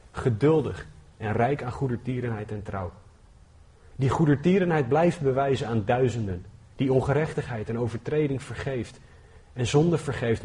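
Husky man preaching a sermon. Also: mid-range voice, warm tone. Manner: earnest, conversational, reads scripture aloud with rising force. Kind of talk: sermon with scripture reading.

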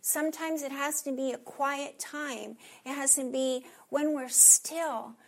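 A woman preaching a sermon in an earnest way, sometimes dropping to a soft hush for emphasis. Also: sits high, fairly even intonation, slow pace.

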